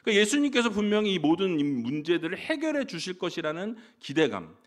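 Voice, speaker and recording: 남자 목사가 회중에게 질문을 던지고 "예" 하고 되짚으며 말씀을 풀어 설교한다. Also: male voice, high voice. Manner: asks the congregation questions, fillers like "예". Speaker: pastor. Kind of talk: sermon.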